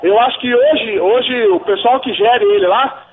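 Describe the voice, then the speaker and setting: Male caller, 40s, high-pitched, heard through a phone line, relaxed and hesitant. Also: a little slow. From São Paulo area, Brazil. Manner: relaxed, chatty, hesitant restarts. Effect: heard over a phone line. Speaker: radio show caller. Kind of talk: casual football chat.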